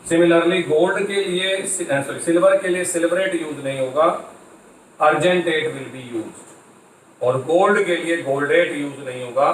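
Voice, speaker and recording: A man's voice: a little high, far from the mic, a little hiss or hum. A man giving a chemistry lecture in Hindi mixed with English, explaining step by step and answering his own questions. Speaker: chemistry teacher. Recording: echoey room, voice from off-mic.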